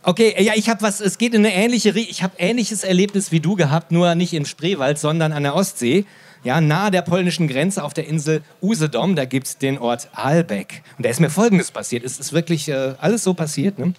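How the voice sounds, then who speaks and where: A man from the Sauerland hosting a limerick reading event, chatting between readings and reciting limericks slowly. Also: a little high. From Sauerland, Germany. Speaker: host.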